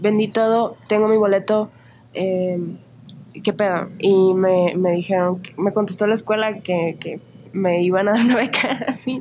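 Speaking in a Tijuana accent, a woman keeps a medium pitch, a fairly slow pace and fairly even intonation. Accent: Tijuana Mexican. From Tijuana, Mexico. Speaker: singer-songwriter. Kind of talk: casual chat.

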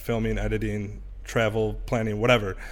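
The recording is very clean with a silent background. A man speaks at a medium pitch. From United States. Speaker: YouTuber. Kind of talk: casual chat. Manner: animated.

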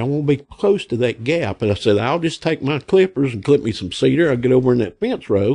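Speaking very fast with a Southern US accent, a man uses lively intonation at a fairly high pitch. His tone is dark and mellow over a quiet background. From Arkansas. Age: 60s. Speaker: turkey hunter. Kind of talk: casual storytelling interview.

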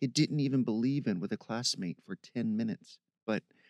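An unforced reading voice with ordinary pitch variation comes across over a quiet background.

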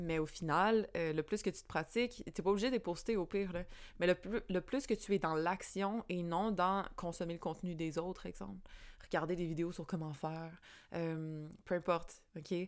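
In a Quebec accent, a woman speaks at a fairly low pitch. She keeps a moderate pace with ordinary pitch variation. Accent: Québécois French. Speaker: podcast host and astrology consultant. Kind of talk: casual monologue. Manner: animated.

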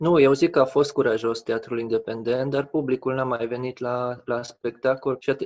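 In a Hungarian accent, a man at medium pitch speaks at a fairly slow pace with fairly even intonation. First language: Hungarian (speaking Romanian). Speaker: playwright. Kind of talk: interview. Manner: halting.

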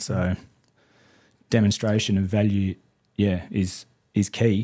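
A dark, mellow tone comes with an Australian accent and monotone, flat intonation. The recording is very clean, with a silent background. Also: man. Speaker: podcast host. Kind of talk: podcast interview.

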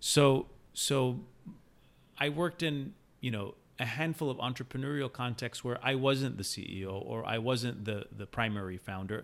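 In a very clean recording with a silent background, a man with an ordinary speaking voice talks at a moderate pace, medium in pitch, with ordinary pitch variation. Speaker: businessman.

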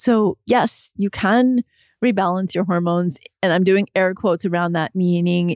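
A woman with a normal speaking voice at medium pitch and moderate pace. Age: 50s. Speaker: physician and midwife. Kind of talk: interview.

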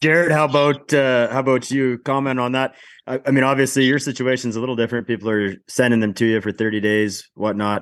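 A man with an American accent has an ordinary speaking voice, medium in pitch with fairly even intonation. He speaks with hardly any pauses against a quiet background. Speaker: podcast co-host. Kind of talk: casual chat. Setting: video call.

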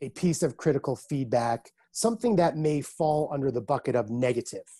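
Dark, mellow tone from a man, with lively intonation at a moderate pace, in a dry, close sound with no echo. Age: 40s. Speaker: coach. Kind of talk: interview.

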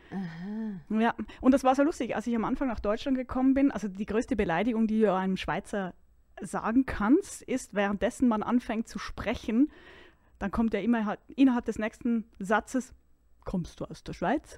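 A woman speaks at a moderate pace in a somewhat breathy, dark, mellow tone, pitched fairly high with ordinary pitch variation. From Switzerland, Küsnacht near Zurich. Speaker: podcast co-host. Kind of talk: casual chat.

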